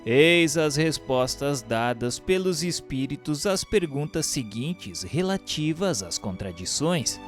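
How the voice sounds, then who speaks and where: A man with a Brazilian accent reading scripted, formal narration and questions in a deliberate manner. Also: a little high, expressive, music in the background.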